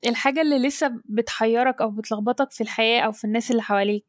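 A woman with an Egyptian Arabic accent co-hosts a podcast, asking gentle questions at a brisk pace. Her voice is slightly high. Her sound is dry and close. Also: no room sound. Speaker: podcast co-host. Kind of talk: casual podcast conversation.

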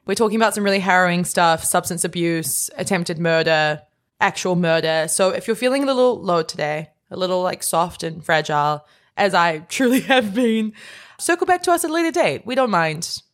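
A woman's voice: fairly low pitch, expressive, fairly quick. Wry, laughing young woman podcaster. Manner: playful, wry, laughs often. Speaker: podcast co-host. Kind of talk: casual podcast chat.

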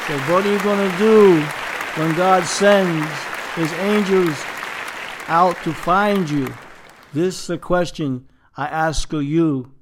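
A man's voice: sits high, steady tone, slow pace. A man playing a fretful old Jewish man who rambles and preaches in a complaining way. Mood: solemn. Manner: kvetching, rambling, sermon-like. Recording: noisy, with crowd chatter behind.

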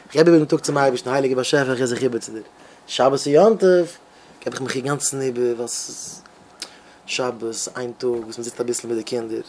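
An excitable man with a Hasidic Yiddish accent preaches a sermon, his voice sitting at an ordinary middle pitch. He tells his stories with lively energy and keeps restarting his phrases. A faint hiss of noise runs under the recording. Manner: excitable, animated storytelling with many restarts. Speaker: rabbi.

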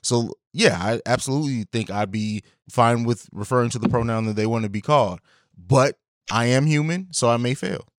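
A man's voice: mid-range voice, moderate pace, dry recording. Man hosting a podcast, dry close sound. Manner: hesitant, self-correcting, laughs easily. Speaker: podcast host. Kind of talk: casual conversation.

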